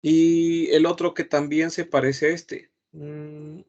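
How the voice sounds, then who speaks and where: Lo-fi audio captures a slightly high, darkish male voice with flat, slow delivery. As a patient French teacher giving an online grammar lesson, he repeats each word several times and hums while considering what comes next.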